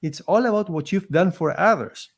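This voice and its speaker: This high-pitched man talks at normal speed with a non-native English accent. An immigrant living in Canada, he appears as a podcast guest and tells his story conversationally, in an earnest, emphatic and motivational way.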